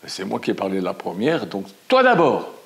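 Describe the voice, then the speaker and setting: A man voicing a curious, quickly irritated little girl in a spoken parable. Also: very animated. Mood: indignant. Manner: high squeaky child voice, growing indignant.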